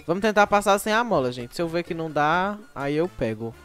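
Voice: medium pitch, animated, brisk, a bit bright, smooth, no echo, soft background music. A Brazilian-accented YouTube gamer chatting to viewers while playing, with frequent exclamations and sudden shrieks. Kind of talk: casual gameplay commentary.

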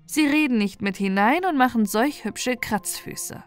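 A woman's voice: on the high side, expressive, unhurried, soft background music. A woman voicing a vain, bossy old mother pigeon in a storybook, cooing and repeating her commands. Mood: bossy, condescending.

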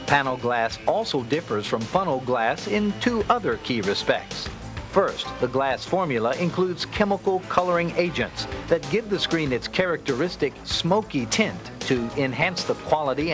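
Animated American male narrator over music. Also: fairly high pitch. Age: middle-aged. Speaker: corporate video presenter. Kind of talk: scripted industrial film narration. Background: background music.

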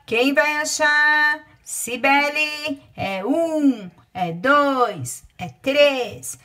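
A woman teacher, from Brazil with a Brazilian Portuguese accent, dictating words to young children, counting aloud and stretching each word out slowly. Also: sits high, bright, forceful tone.

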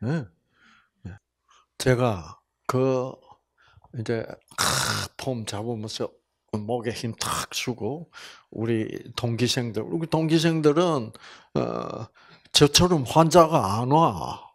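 An older man from Busan, giving a Bible lecture with personal testimony, telling stories folksily and swinging between loud exclamations and soft asides. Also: medium pitch, takes it slowly, creaky. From Korea (Busan). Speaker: health seminar lecturer.

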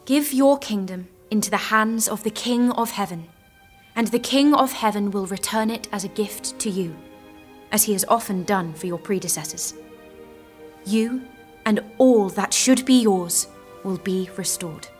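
An actress playing an earnest, devout young peasant maiden warrior in an audio drama, speaking with solemn, formal fervour. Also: female voice, medium pitch, a little slow, soft background music, natural voice. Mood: solemn, assured.

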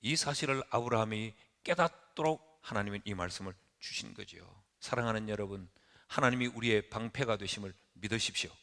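Gravelly-voiced pastor preaching in a reverberant church. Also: male voice, lowish voice, fairly quick. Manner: dramatic preaching, voicing God and Abraham in turns, swinging from soft to loud. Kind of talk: sermon. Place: church sanctuary with long reverb.

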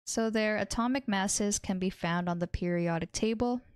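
A young woman with a smooth, clean voice works through an instructional tutorial. She explains in measured steps at a medium pitch, recorded close and dry at a desk. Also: no room sound. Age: 20s. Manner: measured, explains step by step while writing. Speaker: chemistry tutor. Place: small indoor room at a desk.

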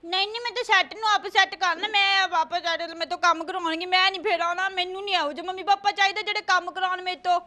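A woman voicing a cheeky little boy who whines and begs to be adopted, with quick comebacks. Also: very high-pitched, steady tone, sharp tone. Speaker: comedy show host.

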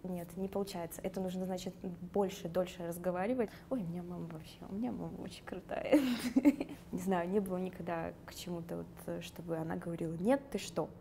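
A woman's voice: lowish voice, steady tone, fairly quick, vocal fry, mellow, slight background noise. Chatty young woman with Circassian accent. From Karachay-Cherkessia, North Caucasus. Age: young adult. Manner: chatty, laughs often, many fillers. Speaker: interviewee. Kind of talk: sit-down interview. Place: dark studio. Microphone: lapel.

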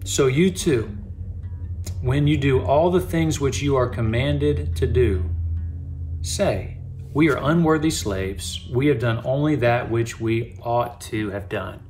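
A man in his thirties gives a devotional talk straight to camera from a small book-lined office. His voice sits at an ordinary middle pitch and he speaks earnestly and conversationally, often restarting his sentences. Faint guitar music plays underneath. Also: slow, darkish tone. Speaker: pastor. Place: small home office with bookshelves.

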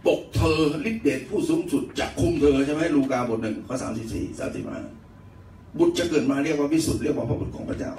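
A male pastor giving a sermon, explaining scripture point by point with animated, emphatic delivery. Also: on the high side, fast, a little hiss or hum. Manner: animated, rising to loud emphatic bursts. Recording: roomy echo, distant mic, faint ambience.

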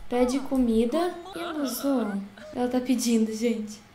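Brief: high-pitched Brazilian woman, gushing gameplay commentary, echoey room with faint hiss. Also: a little slow, mellow. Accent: Brazilian Portuguese. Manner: chatty, gushing, talks to viewers. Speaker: gaming YouTuber. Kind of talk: casual let's-play commentary.

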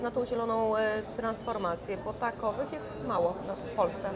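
A woman's voice: on the high side, normal speed, loud music behind the voice. A young woman interviewing a guest at an event, asking formal questions with some hesitation. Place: conference hall in front of a sponsor wall. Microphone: lapel mic. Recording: conference crowd noise. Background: crowd chatter.

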